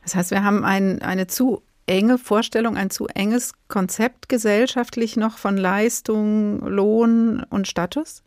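A woman hosts a radio interview from a studio. She asks measured, probing questions in a mid-pitched voice. The sound is dry and close. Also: steady tone, darkish tone, no room sound. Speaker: radio host.

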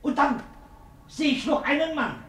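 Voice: sits high, sing-song, unhurried, a bit bright, exaggerated voice. An actor playing a dutiful royal servant on lookout, calling out reports in a theatrical radio play. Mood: excited announcing. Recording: echoey old radio recording, background noise.

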